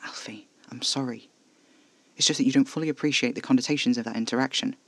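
A man voicing a brooding, protective male vampire with a low, curt, flat delivery. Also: rapid-fire, no room sound, lightly acted. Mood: tense.

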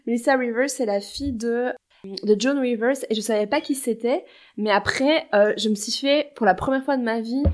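Playful high-voiced woman podcast host. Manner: playful, teasing, quick to laugh. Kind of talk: casual chat.

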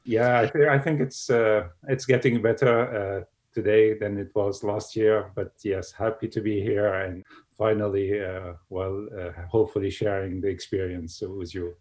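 A man's voice: on the low side, little pitch movement, moderate pace, a little mellow. A man from Lebanon, a guest answering interview questions with frequent hesitant fillers.

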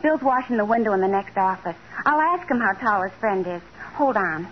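A woman's voice: mid-range voice, animated, fairly quick, lightly acted. A woman playing a shy, flustered young office worker in 1940s radio drama, hesitant and girlish in manner. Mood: giddy. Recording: muffled, noisy 1940s radio recording.

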